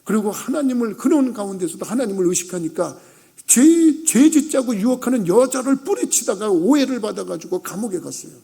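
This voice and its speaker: A middle-aged male pastor preaching a sermon, telling a Bible story and acting out the characters' lines, swinging between loud and hushed. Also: high-pitched, expressive, fairly quick, gravelly. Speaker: senior pastor.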